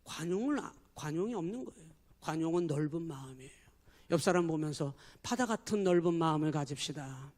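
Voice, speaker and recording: A man's voice: on the high side, animated, a little fast, a little mellow. A man preaching a sermon as pastor, emphatic and forever addressing the congregation. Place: church.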